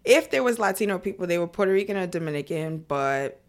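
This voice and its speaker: A young woman from Brooklyn in casual conversation, talking in a quick, reflective way. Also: on the low side, lively intonation. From Brooklyn, New York. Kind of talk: casual chat.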